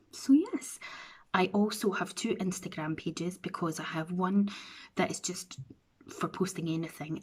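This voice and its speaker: This Scottish woman in her thirties, a beauty vlogger, rambles chattily to camera indoors in her bedroom, self-deprecating and sniffling with a runny nose. The voice sits fairly low, darkish and slightly rough.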